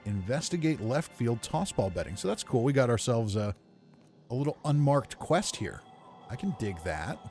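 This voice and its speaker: A man's voice: mid-range voice, big pitch swings, moderate pace, darkish tone, faint music behind. A man giving easygoing, casual game commentary, thinking aloud as he plays. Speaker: gamer narrating playthrough.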